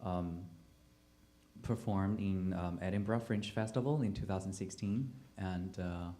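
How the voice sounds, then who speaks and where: A man with a low voice and dark tone speaks at a measured pace, his Taiwanese accent clear. As a playwright and director on a panel, he gives a spontaneous personal account, searching for words and repeating himself.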